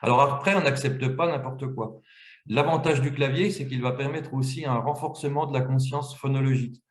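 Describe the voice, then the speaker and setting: Speaking a little fast in a mid-range voice, a man walks through an app's screens one step at a time during a webinar software demo. The sound is roomy, with echo.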